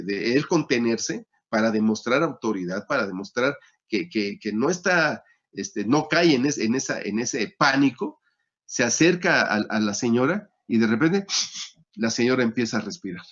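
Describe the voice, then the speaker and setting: A man's voice: mid-range voice, slightly rough. Man telling a surgery story, lots of fillers. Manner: halting, with many fillers and repeated words. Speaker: surgery teacher. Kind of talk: storytelling lecture. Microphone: phone. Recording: dull lo-fi sound.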